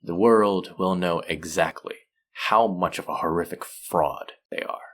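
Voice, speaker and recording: A man playing a suave, manipulative supervillain in an intimate audio roleplay, measured and teasing, softly menacing yet tender toward his captive. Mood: scornful, earnest. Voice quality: low, creaky voice.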